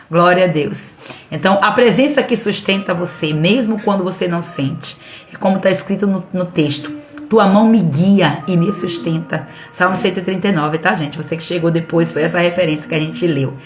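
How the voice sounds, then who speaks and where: A middle-aged woman pastor with a Brazilian Portuguese accent preaching an expressive livestream sermon, acting out the voices she quotes. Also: on the low side. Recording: roomy sound with faint music.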